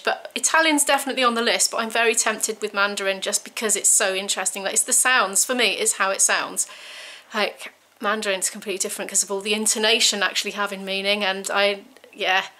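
A woman's voice: mid-range voice, pushed and bright. A woman in her thirties from the UK, chatting through a home vlog on a handheld camera while she sorts boxes, enthusiastic and thinking aloud. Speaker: vlogger. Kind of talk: casual vlog chat. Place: living room at home, indoors. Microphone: handheld camera mic, filming herself close up.

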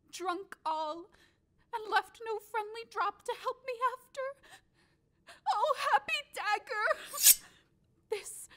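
A woman as a slow, tragic young Juliet. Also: very high-pitched, bright, forceful tone, exaggerated voice. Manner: dramatic, drawn-out. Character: tragic teenage Juliet in a school play. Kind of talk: theatrical Shakespearean audio drama acting.

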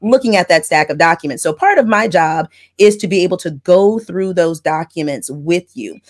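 A middle-aged woman with a somewhat low voice explains her work in a chatty, wordy way. She talks over a video call through an earbud mic from her home office. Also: animated, moderate pace. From from Florida, raised in Texas. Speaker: mobile notary loan signing agent and channel host. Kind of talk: casual interview storytelling. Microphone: earbud headset on a video call.

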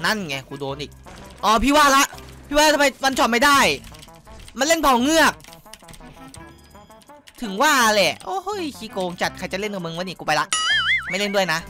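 Loud, swearing young gamer guy. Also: sits high, very animated, moderate pace, pauses often. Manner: loud, cursing, yelling at opponents. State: sore throat from shouting. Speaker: gaming YouTuber. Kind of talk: excitable gameplay commentary. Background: game music.

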